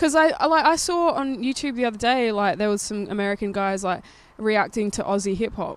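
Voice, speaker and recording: A woman in an Australian accent, fairly high in pitch, with lively intonation and a fairly quick pace. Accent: mild Australian. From Australia, Perth. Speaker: hip hop artist. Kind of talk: casual interview chat. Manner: hesitant, many fillers.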